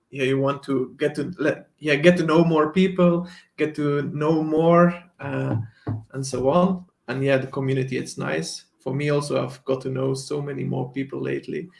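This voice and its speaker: A man's voice: medium pitch, creaky. A man hosting a live online talk show, chatting in a loose, friendly way on a video call. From Belgium. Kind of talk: casual hosting.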